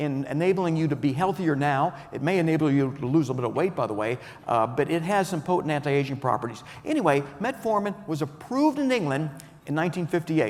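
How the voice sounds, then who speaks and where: A man's plain, everyday voice, fairly high in pitch, with lively intonation and a fairly quick pace. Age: 60s. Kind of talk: conference talk.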